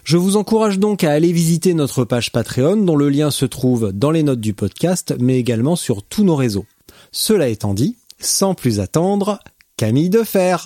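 A man's voice: fairly high pitch, expressive, normal speed, mellow, no echo, clean studio sound. A man hosting a cycling podcast, chatting casually and hesitating often with fillers. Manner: friendly, many hesitations and fillers. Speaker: podcast host.

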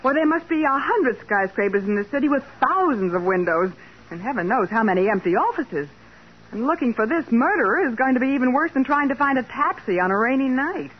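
An actress playing a detective's anxious, devoted young secretary, with an American accent and an emotive, fretful manner in 1940s radio drama style. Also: female voice, high-pitched, animated, fairly quick, slightly rough. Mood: wry. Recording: dull, noisy 1940s radio recording.

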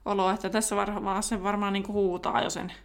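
A woman's voice: medium pitch, level tone. A woman co-hosting a podcast, casually chatting about a book in a reflective way. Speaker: podcast co-host.

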